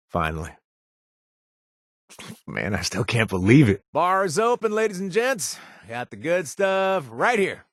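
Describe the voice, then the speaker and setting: A man's voice: fairly high pitch, sing-song, slow, long pauses, dry recording, clean studio sound, exaggerated voice. An actor playing a wry adult male bartender and former gang member, joking and conspiratorial, in video game voice lines. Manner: joking and conspiratorial, laughs often.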